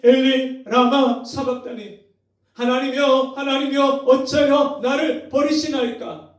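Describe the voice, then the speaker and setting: A man's voice: extremely high pitch, voice pushed up. A man acting out a grief-stricken middle-aged church elder, wailing and pleading in a sermon. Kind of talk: acted quote in a sermon. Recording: very echoey hall, mic far off.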